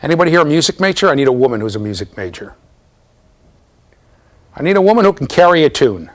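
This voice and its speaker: Speaking fast with a sing-song lilt, a man in his fifties with a fairly high voice delivers a university lecture in a classroom with bookshelves, explaining eagerly and frequently asking "okay?" and "right?"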